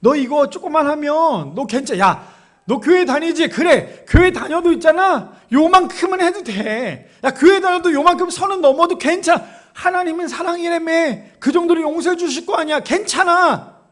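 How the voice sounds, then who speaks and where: Male preacher doing a wheedling male devil tempter: high, pushy, persuasive. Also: lively intonation, moderate pace. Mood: coaxing.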